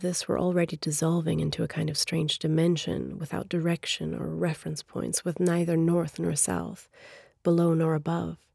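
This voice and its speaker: A woman's fairly low-pitched voice, an unremarkable speaking voice, at a fairly quick pace. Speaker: reader of book excerpts. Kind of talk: dramatic narration of literary passages. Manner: measured, atmospheric, expressive.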